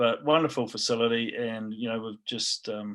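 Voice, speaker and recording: With a New Zealand accent, a man talks at a medium pitch. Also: very clean recording, silent background. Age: 60s. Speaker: school principal. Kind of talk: interview.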